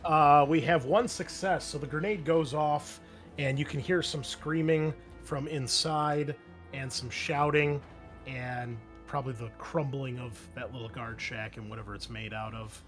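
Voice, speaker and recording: A man's voice: mid-range voice, fairly even intonation, measured pace, fairly bright tone, faint music behind. A man running a tabletop game as game master, improvising narration in a conversational, explanatory way.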